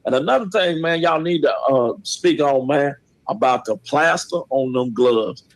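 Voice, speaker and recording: A man calling in to a show, telling stories casually in animated, colloquial and boastful slang. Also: medium pitch, moderate pace, dry recording, low-quality recording. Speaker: caller to the show, a ring announcer. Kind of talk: casual chat and storytelling. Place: on a call to a show.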